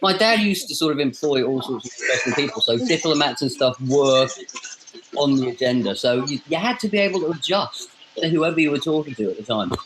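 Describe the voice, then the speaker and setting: Noticeable background noise sits behind a man talking at a very fast pace. His pitch is fairly high and his intonation lively. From international upbringing, English public school. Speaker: voice actor. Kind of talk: casual chat. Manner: animated.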